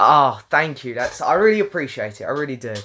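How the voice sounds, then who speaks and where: A man with a London accent talks at a fairly quick pace in a bright, sharp tone with lively intonation. The recording is very clean, with a silent background. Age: 20s. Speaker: YouTuber. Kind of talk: casual chat. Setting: livestream from home. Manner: halting.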